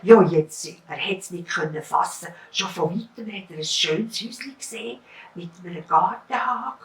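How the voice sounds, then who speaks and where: A woman's voice: fairly low pitch, normal speed. Swiss German woman telling a folk tale. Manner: lively, vivid storytelling. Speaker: storyteller. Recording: roomy, heard from a distance.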